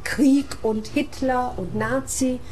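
A woman's voice: high-pitched, slow, a little mellow, a little hiss or hum. An older woman from Germany, chatting through her memories in an interview, acting out the voices she quotes and tagging her sentences with little questions. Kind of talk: recounting memories in conversation.

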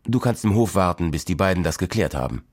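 A man doing a brisk, firm grown-up. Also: low-pitched, expressive, dry recording, clean studio sound. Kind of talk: children's radio play.

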